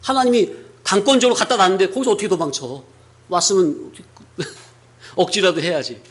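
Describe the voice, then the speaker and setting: Pastor preaching, animated, asks the congregation questions, high-pitched man; chuckles often. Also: moderate pace. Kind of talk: sermon.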